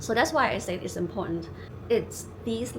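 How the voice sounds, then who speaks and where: Over noticeable background noise, a woman with a Thai accent talks with ordinary pitch variation. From Thailand. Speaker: English learning vlogger. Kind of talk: casual talk to camera.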